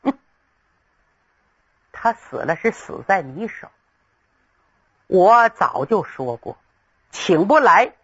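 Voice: mid-range voice, very animated, slow pace, long pauses, fairly bright tone, slightly rough, dull audio, pitched below the performer's own voice, exaggerated voice. A storyteller voicing a haughty, harsh young male crown prince who speaks scornfully and gives orders. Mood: commanding. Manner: scornful, commanding.

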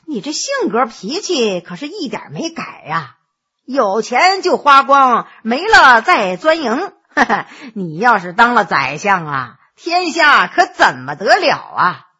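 A woman's voice: on the high side, very animated, slow pace, bright, forceful tone, breathy edge, pitched below the performer's own voice, exaggerated voice. A woman doing a thoughtful young male scholar. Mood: wry.

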